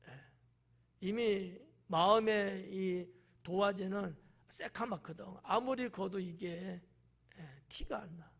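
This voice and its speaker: Man, pastor, church sermon, high voice, gravelly fry, chatty explaining, rhetorical questions. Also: slow pace, fairly bright tone.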